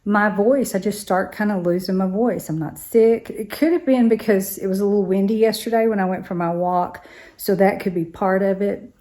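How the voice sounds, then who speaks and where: A retired teacher, an older woman, chats casually with her vlog viewers and thinks aloud as she goes. Her slightly hoarse voice is warm and medium-pitched, with fairly even intonation and a normal speed.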